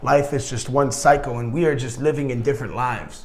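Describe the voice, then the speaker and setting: A man's animated, medium-pitched voice at a fairly quick pace over noticeable background noise. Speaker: rapper. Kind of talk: casual chat. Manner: loud.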